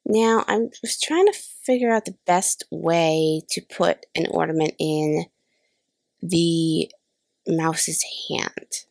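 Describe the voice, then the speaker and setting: Woman in her thirties, host of a crafting tutorial voice-over; slightly nasal from a cold, low-pitched and gravelly, dry close recording. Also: takes it slowly, a little mellow, no room sound. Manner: chatty, self-deprecating about mistakes. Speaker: card-making channel host. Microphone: voice-over recorded separately.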